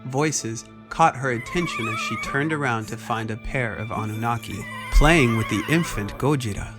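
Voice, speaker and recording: A man's voice: medium pitch, wildly swooping pitch, moderate pace. A man reading scripted dramatic fiction as the narrator of a story. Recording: loud music under voice. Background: music.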